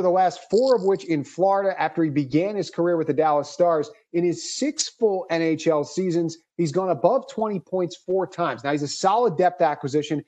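Man hosting a sports podcast, mellow. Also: a little high, lo-fi sound. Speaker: podcast host. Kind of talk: scripted sports podcast narration.

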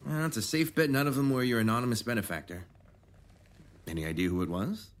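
An actor playing a probing, officious rejuvenation officer in an audio drama, measured and insinuating. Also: male voice, mid-range voice, close to an everyday voice. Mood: needling.

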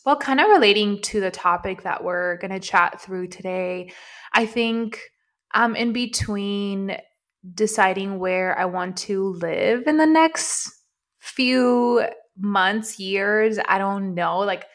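Young woman from venezuela on a chat podcast, thinks out loud, easygoing and reflective. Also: mid-range voice, slow. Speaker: podcast co-host. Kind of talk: casual chat.

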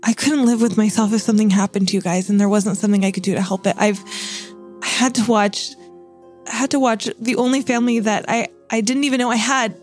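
A woman's voice: fairly high pitch, steady tone, fast, faint music behind. A woman player speaking in character, earnest and emotional. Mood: tearful. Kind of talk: in-character role-play.

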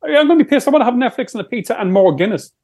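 Animated sweary Irish man. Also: extremely high pitch, racing. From Ireland. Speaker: podcast co-host. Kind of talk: casual chat.

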